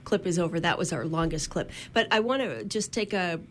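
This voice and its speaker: A woman hosts a radio talk show in an easy, conversational manner, with a few fillers. Her voice sits on the low side, and a faint hiss runs underneath. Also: fairly quick. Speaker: radio host. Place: radio studio.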